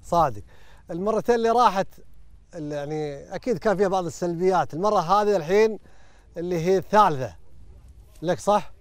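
A man with a Qatari accent hosting a live program, greeting teams in the field with quick friendly questions. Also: high voice, no echo. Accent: Qatari Arabic. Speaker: studio host. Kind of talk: live broadcast check-ins by radio link.

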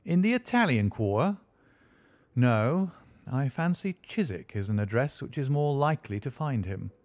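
A man reading aloud and voicing a calm, clever detective who speaks in a measured, confident way. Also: mid-range voice, no room sound, pitched above the performer's own voice, close to an everyday voice. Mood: deliberate. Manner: measured, deliberate, composed.

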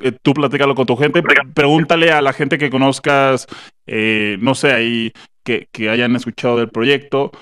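A man's voice: mid-range voice, steady tone, a bit bright, smooth, voice pushed down, natural voice. A Mexican man in his thirties playing an earnest, hesitant reality-show producer in a prank call, stammering and repeating himself. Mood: hesitant, salesmanlike. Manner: halting, repetitive, stammering delivery. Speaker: prank caller. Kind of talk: improvised phone prank. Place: small indoor podcast studio. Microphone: close studio microphone.

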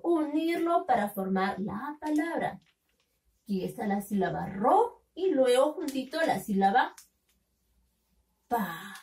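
A woman teaching a phonics lesson to young children, sounding out syllables slowly and coaxing them with questions. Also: a little high, darkish tone, distant mic. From Peru. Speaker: kindergarten teacher.

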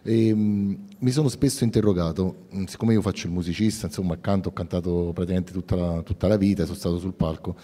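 A man's voice: low voice, steady tone, quick pace, hardly any pauses, mellow. A man who acts and sings, answering on a festival panel, hesitating as he searches for words. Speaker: actor and musician. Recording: reverberant hall.

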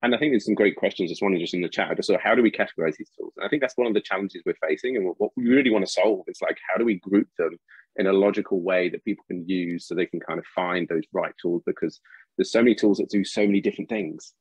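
A man moderating a webinar panel over a video call, walking through slides in a relaxed, conversational way. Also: low voice, fast talker, slightly rough, dry recording, poor audio.

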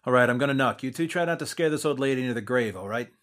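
A man's voice: medium pitch, very fast, a bit bright, lightly acted. A man playing an exasperated straight man. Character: weary young man leading two bumbling sidekicks. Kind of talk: audio drama acting.

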